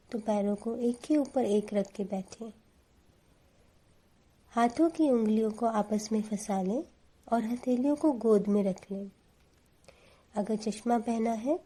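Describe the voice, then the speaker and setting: A woman giving guided meditation instructions in a calm, soothing, deliberate manner. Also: a little high.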